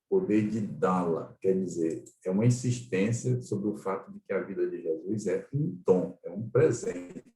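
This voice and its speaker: A Brazilian man with a low-leaning, warm voice leads an online Bible study over a video call, reading scripture aloud and explaining it in a teaching manner. The distant microphone gives the audio a roomy echo.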